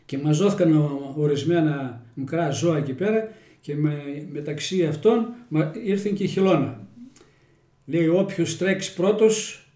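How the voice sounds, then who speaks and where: A man with a Kozani accent telling village folk tales in a homely, folksy way. His voice is mellow and dark, a little higher than usual for a man. The room is roomy and echoey. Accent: Kozani Greek dialect. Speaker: storyteller interviewee.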